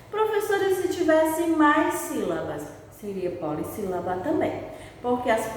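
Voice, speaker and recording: Slow, patient woman teacher in an echoey room. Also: on the high side. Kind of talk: recorded grammar lesson for pupils. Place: room with a board she writes on and erases. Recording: very echoey, long reverb, far from the mic, faint hiss.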